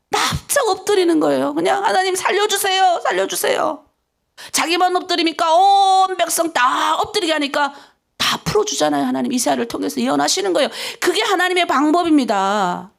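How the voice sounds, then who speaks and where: A woman's voice: sits high, gravelly. A woman pastor from North Korea with a North Korean accent, preaching an emphatic dawn prayer sermon and acting out pleading prayers.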